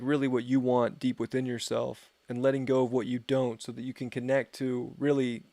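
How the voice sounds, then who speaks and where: A man's voice: medium pitch, creaky, a little mellow, dry recording. A man giving a casual, rambling astrology forecast on a livestream, his voice wearing thin. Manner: rambling, filler-heavy, laid-back. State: losing his voice. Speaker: astrology reader.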